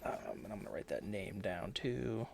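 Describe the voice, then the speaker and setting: A man's voice: on the low side, expressive, moderate pace, creaky, slight background noise. A man chatting casually as a player in a tabletop role-playing game podcast.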